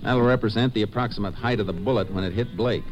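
A man's voice: on the low side, quick pace, highs cut off, music in the background, close to an everyday voice. An American man playing a terse, matter-of-fact Texas Ranger investigator in a 1950s radio western. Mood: analytical. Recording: old 1950s radio recording.

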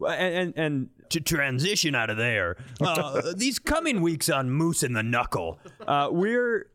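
A man's voice: medium pitch, fairly bright tone, no room sound. A man co-hosting a comedy podcast in informal, casual chat with some swearing.

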